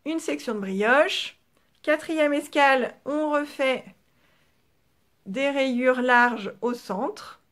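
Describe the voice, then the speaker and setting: A woman hosting a knitting podcast in casual show-and-tell chat, with a French accent, chatty and relaxed, with many fillers and trailing asides, talking toward a camera. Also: sits high, extremely slow. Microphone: camera facing the speaker.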